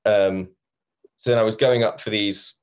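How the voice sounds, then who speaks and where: Guy in his 30s, low-ish voice, chatty, acts out old convos as he tells them. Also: fairly even intonation, normal speed. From England. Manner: chatty, acts out quoted conversations. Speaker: musical theatre actor, guest. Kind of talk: casual interview chat.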